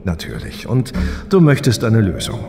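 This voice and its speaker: An actor playing an easygoing, dutiful test pilot and older brother in an audio drama, casual and thoughtful. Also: male voice, lowish voice, huge pitch swings, normal speed, noisy background.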